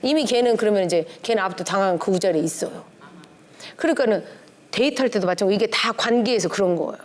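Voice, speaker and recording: A woman's voice: mid-range voice, fast talker. A middle-aged woman, a pastor's wife, giving a conversational lecture on family relationships to a church class, acting out little bits of dialogue as she goes. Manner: lively, acts out quoted dialogue with shifting tones.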